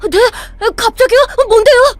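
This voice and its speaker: A woman playing a naive, eager and sheltered young survivor in an audio drama, with an expressive, wide-eyed delivery. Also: extremely high pitch, normal speed. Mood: delighted. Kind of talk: Korean audio drama acting.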